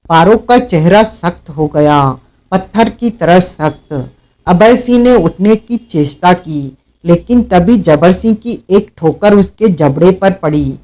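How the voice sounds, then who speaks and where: A man narrating a dramatic novel as an audiobook, measured and storytelling. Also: high voice, a little mellow, poor audio.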